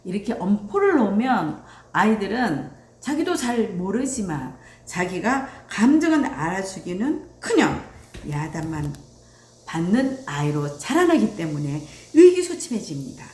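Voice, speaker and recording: A woman's voice: medium pitch, unhurried. A woman giving a lecture on parenting, speaking animatedly and acting out bits of dialogue. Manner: animated, acts out quoted dialogue. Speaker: parenting educator. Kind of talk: lecture on child rearing. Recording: roomy echo.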